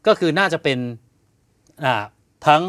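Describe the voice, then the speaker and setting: A man co-hosting an evening news show, explaining political events in an animated conversational way, asking rhetorical questions and acting out what others said. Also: a little high, unhurried, clean tone, no echo. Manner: animated, asks rhetorical questions, acts out quotes. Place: television studio.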